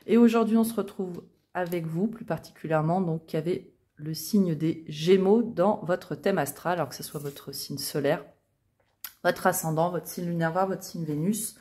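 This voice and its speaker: Her fairly low voice moves at a normal speed as she hosts a relaxed tarot reading for viewers. The channel host keeps it chatty, full of small fillers like "euh" and "hein" plus soft asides.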